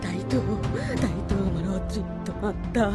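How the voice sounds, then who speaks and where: A woman voicing a restless, vengeful trapped ghost in a theatrical, slow, anguished manner that swells into threats. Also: mid-range voice, over loud music, natural voice. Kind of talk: theatrical voice-acting demonstration.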